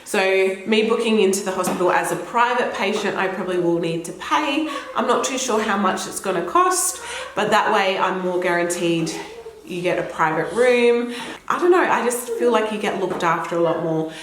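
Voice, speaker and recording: A woman's voice: medium pitch, expressive, moderate pace, crowd noise. A young Australian woman chatting casually to camera at home, a little throaty from a cold, rambling and laughing often. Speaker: vlogger. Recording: echoey room.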